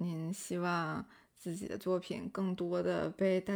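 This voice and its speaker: A woman speaks very slowly with monotone, flat intonation. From Northeast China, Liaoning. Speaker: podcast host. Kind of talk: casual interview.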